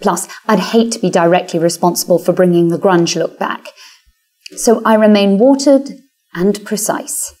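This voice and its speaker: A woman's voice: on the low side, a little mellow. A woman with a British accent narrating a first-person story in a wry, confident, self-mocking way. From Britain. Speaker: audiobook narrator.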